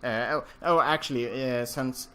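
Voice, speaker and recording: A man's voice: mid-range voice, normal speed, fairly bright tone, slight background noise. A man co-hosting a let's play, hesitant and searching for words. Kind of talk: casual game commentary. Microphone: home mic over internet call.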